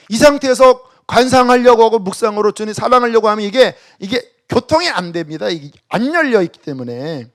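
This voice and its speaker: A male pastor with a high voice preaches a sermon at a church worship service. He alternates loud exhortation with near-whispers and leads the congregation in reading scripture aloud.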